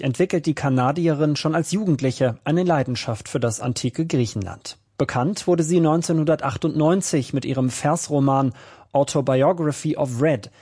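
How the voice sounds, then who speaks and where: Husky-voiced male news correspondent. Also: fairly high pitch, mellow. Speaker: culture correspondent. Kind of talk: scripted news narration.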